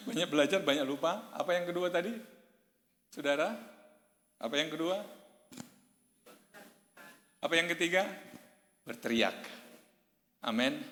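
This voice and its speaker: Male pastor, bright sermon voice, echoey church hall. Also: on the high side, unhurried, pauses often, slight background noise. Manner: storytelling preacher, addresses congregation as "saudara", animated shouts and laughs.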